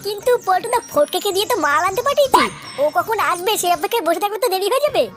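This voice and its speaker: An extremely high-pitched young village lad from a comedy cartoon. He is brash and boastful and rattles out slangy, foul-mouthed lines at speed. Music plays underneath. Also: lively intonation, very fast, a bit bright. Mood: matter-of-fact.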